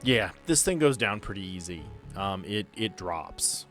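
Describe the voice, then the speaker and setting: Low-voiced man running a tabletop game. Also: animated, measured pace, fairly bright tone. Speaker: game master. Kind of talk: narrating a tabletop roleplaying game. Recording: music behind. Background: background music.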